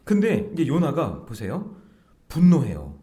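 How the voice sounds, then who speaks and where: A middle-aged male pastor delivers an early-morning sermon with a chatty, animated preaching style. His tone is mellow and relaxed, and his pitch rises and falls widely as he slips into quick bits of acted dialogue. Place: church sanctuary.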